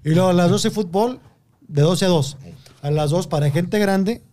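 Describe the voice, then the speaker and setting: A man's voice: sits high, normal speed, background noise. A man, arguing stubbornly in crude casual banter.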